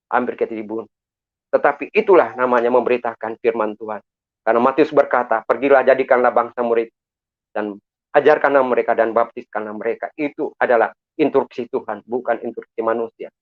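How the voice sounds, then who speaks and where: A middle-aged man from Makassar giving an earnest, preacherly church testimony, often calling out to his listeners. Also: mid-range voice. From Makassar, Indonesia. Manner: earnest, preacherly, repeatedly addresses listeners as brothers. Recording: tinny phone-like sound.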